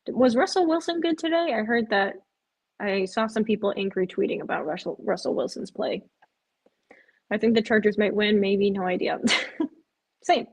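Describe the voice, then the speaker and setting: A woman's voice: medium pitch, moderate pace, a little mellow, slightly rough, poor audio. A woman hosting a live stream, chatting casually with viewers, sounding tired and rambling. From Chicago area. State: drowsy, yawning.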